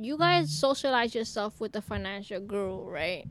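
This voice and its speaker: With lively intonation and an ordinary speaking voice, a woman talks at a medium pitch and a moderate pace. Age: 30s. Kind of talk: casual chat.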